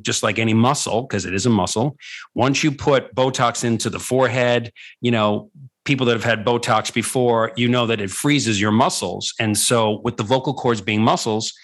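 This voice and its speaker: A man's voice: mid-range voice, moderate pace, a bit bright. A middle-aged man telling his own story conversationally as an interview guest, emphatic and repeating phrases for effect. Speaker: guest, voice-over coach and former voice actor.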